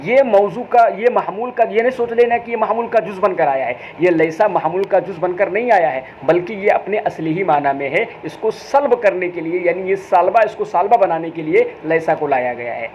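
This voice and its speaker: A man with a South Asian Urdu accent teaches a logic lesson to viewers, repeating the key terms and asking rhetorical questions before answering them himself. His voice sits a little high for a man. The recording is slightly dull, with a faint hum underneath. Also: moderate pace, hardly any pauses, a little mellow.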